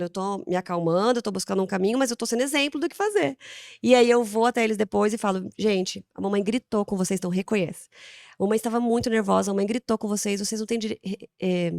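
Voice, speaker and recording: A woman with a Brazilian Portuguese accent, a podcast guest answering in lively casual talk and acting out talks with her children. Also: on the high side, gravelly, no echo, clean studio sound. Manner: animated, acts out dialogues with her children.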